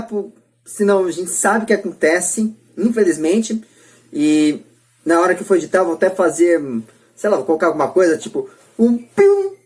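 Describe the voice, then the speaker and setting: A woman's voice: on the low side, a little mellow. A Brazilian woman hosting a podcast debate, speaking in an emphatic, repetitive, opinionated way. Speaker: podcast host.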